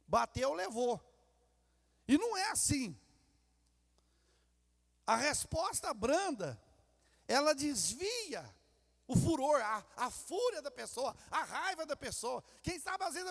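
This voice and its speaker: A man's voice: very high voice, gravelly, fairly bright tone. A man preaching a sermon as pastor in a church, with a Brazilian Portuguese accent, acting out family quarrels in little character voices. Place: church sanctuary. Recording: reverberant church hall.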